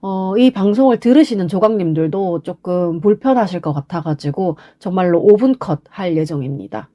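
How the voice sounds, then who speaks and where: A woman's voice: on the low side, animated, moderate pace, mellow. A woman podcast host talking casually on her own, congested and nasal from a cold. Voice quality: heavily congested, stuffed-nose nasal voice. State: has a cold, sniffling and throat-clearing. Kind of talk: casual solo podcast monologue.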